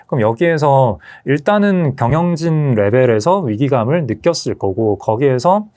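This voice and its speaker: Lively, explanatory businessman guest. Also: mid-range voice, moderate pace. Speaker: asset management CEO guest. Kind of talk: interview, market commentary.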